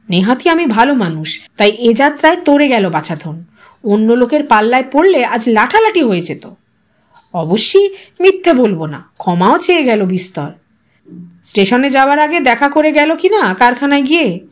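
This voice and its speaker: A woman's voice: high-pitched, sing-song, normal speed. A woman voicing a blustering, self-satisfied working husband who talks colloquially in an audiobook story. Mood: excited, boastful. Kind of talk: audiobook character dialogue.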